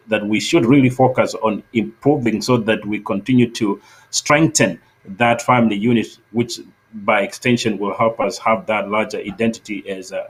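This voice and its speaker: A man hosting an interview, asking long, measured questions that frame each topic. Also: on the low side, slightly rough, poor audio. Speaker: host.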